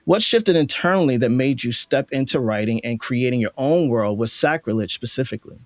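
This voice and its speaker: Affirming male interviewer, mid pitch, dry sound. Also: animated, fairly quick, dry recording. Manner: affirming, earnest. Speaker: interview host, audio dramatist. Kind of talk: reflective interview conversation.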